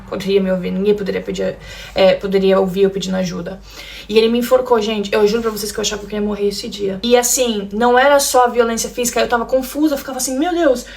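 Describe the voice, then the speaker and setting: A woman's voice: mid-range voice, gravelly. A young woman from Brazil telling her own story of abuse, talking straight to her listeners and acting out the lines people said. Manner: addresses listeners as "gente", acts out quoted lines. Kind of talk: emotional personal testimony.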